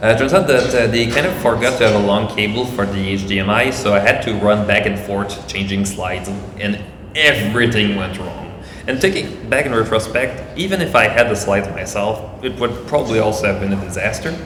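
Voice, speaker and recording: A man with a Quebec accent speaks at a fairly quick pace, his fairly low pitch showing ordinary variation. Noticeable background noise and audible room echo surround him. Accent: Quebecois French. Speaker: convention panelist, animator. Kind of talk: convention panel talk. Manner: halting, many fillers.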